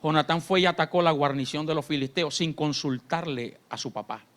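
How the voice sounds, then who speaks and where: A man pastor, preaching a sermon in church. His delivery swings between shouted fervor and quiet, confiding talk. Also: a little high, a little fast. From Colombia. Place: church sanctuary.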